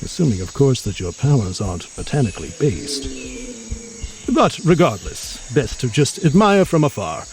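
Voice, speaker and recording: A man's voice: mid-range voice, very animated, moderate pace, soft background music. A man playing an erudite, genial mutant scientist in an audio drama, speaking in a florid, pompous, theatrical manner with bookish words. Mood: reassuring, learned. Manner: florid, pompous, bookish vocabulary with emphatic delivery. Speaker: scientist guide.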